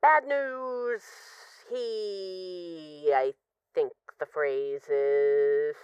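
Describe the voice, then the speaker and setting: A woman's voice: low-pitched, steady tone, very slow, a little mellow, smooth, no echo, muffled recording. A woman playing an affectionate, wry mafia boss who misses her partner, rambling hesitantly through intimate voicemails in an audio roleplay. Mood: playful, fond. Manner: hesitant, sighing, wry, conversational.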